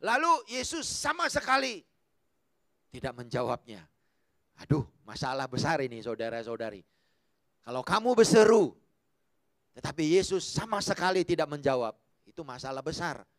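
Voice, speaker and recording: Man, pastor, sermon, bright tense voice, dry close sound, playful acted-out quotes. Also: moderate pace, long pauses, no echo. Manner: animated, humorous, jumps between shouting and low asides.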